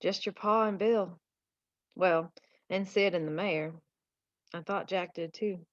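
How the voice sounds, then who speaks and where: A woman's voice: on the low side, steady tone, slow, no room sound, lo-fi sound. A woman playing a folksy, chatty married townswoman from a mining town in a screenplay table read. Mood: worried.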